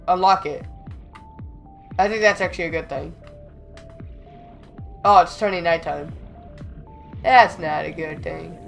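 A young man with a slightly raspy voice from being sick, chatting excitedly as he plays and talks back to the game. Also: sits high. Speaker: gaming channel host. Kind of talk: casual gameplay commentary.

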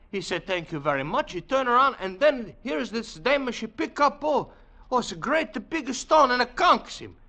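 A man playing an excitable Italian immigrant peanut vendor in a 1940s radio drama, speaking halting, theatrical broken English with an Italian accent. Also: high voice, exaggerated voice. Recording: vintage 1940s radio recording.

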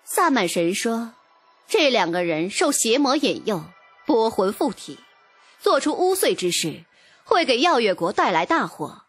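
Woman voicing a pompous, solemn sorceress, husky. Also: fairly high pitch, sing-song, a little slow, faint music behind, exaggerated voice. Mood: solemn, ominous. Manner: solemn, ceremonial, earnest. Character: pompous solemn sorceress delivering false divine verdicts.

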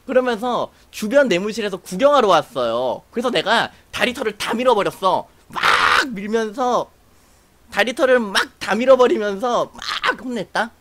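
A young woman telling a personal story to camera in a casual, animated way, acting out what others said. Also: medium pitch. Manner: animated, acts out quoted voices, laughs while telling. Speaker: YouTuber.

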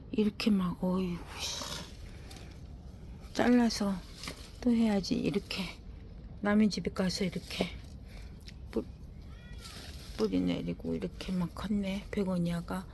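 Slow gravelly woman touring her plants. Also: mid-range voice, mellow, slight background noise. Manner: talks to plants and scolds her dog, frequent sighing exclamations. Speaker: gardening vlogger. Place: indoor winter garden.

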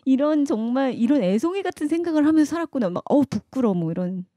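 A woman's voice: high-pitched, sing-song, fast talker, mellow, no room sound, studio quality. A woman in her thirties co-hosting an interview, musing reflectively and murmuring along as she listens. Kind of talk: casual interview chat.

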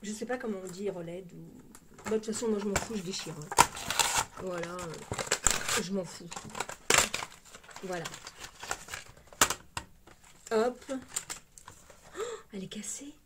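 A woman's voice: medium pitch, a little slow, pauses often, very noisy. A woman with a Parisian French accent chatting casually through a makeup unboxing, exclamatory and full of little fillers. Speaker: beauty vlogger.

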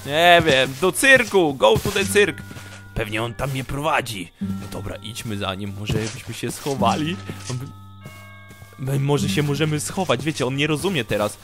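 A man with a Polish accent, commenting excitedly on his game for viewers and switching into broken English now and then. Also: mid-range voice, normal speed. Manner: animated, yelps and talks to viewers, broken English asides. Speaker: gaming YouTuber. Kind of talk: excitable Minecraft let's play commentary. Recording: music playing faintly under the voice.

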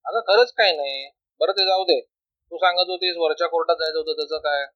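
A man voicing a calm, earnest young male prisoner who reassures his mother, in a storybook reading on a dull lo-fi recording. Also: a little high, brisk, dry recording, lightly acted. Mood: reassuring.

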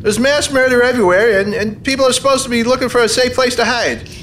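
A man's voice: extremely high pitch, quick pace, a bit bright, a little hiss or hum, low-quality recording. A middle-aged man playing a cowardly, stubborn, agitated husband in a radio play. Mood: tense, defensive. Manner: agitated, insistent. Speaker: actor in a staged radio play. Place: theater stage. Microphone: stand microphone. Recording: music behind, live stage.

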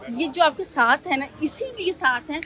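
A woman's voice: high-pitched, lively intonation, normal speed. A woman shopper at a busy outdoor market, earnestly urging a politician to look after poor people. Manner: earnest, pleading, repeats her point. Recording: noisy crowd behind.

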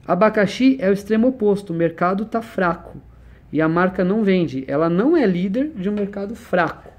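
A man's voice: high voice, expressive, a little fast, a little mellow. A man explaining business ideas in a conversational one-on-one lesson, using everyday examples and questions.

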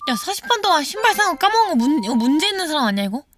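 Young female streamer, high and animated, chatty and playful. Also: rapid-fire, over music. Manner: playful, slips into comic voices when quoting. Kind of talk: casual late-night chat.

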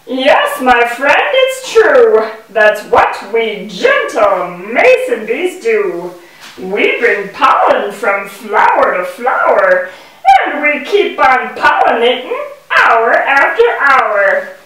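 A woman voicing a gentle, busy mother bee puppet, explaining earnestly and emphatically in sing-song rhymes for a children's show. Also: on the high side, big pitch swings, slow pace, heavily acted. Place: indoor puppet stage in a room. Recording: echoey room, distant microphone.

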